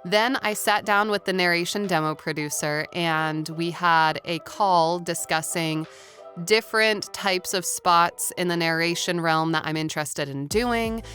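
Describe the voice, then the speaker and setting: A woman's voice: fairly low pitch, unhurried, fairly bright tone, faint music behind. A woman voice-over artist talking to viewers in an informal explainer vlog. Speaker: voice-over artist sharing industry tips.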